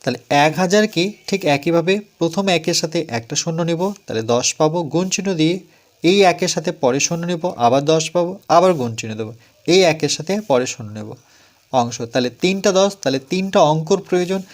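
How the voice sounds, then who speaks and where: A male math teacher with a West Bengal Bengali accent walks through a lesson slowly, counting steps aloud and asking himself questions before he answers them. His voice sits a little high for a man. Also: expressive. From West Bengal, India. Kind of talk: step-by-step classroom explanation.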